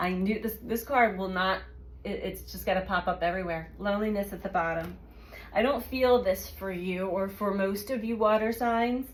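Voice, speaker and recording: A woman talks at a moderate pace. Her voice is somewhat breathy, with fairly even intonation. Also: medium pitch for a woman. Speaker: tarot reader and life coach. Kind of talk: tarot card reading. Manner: speaking quietly; hesitant, many fillers.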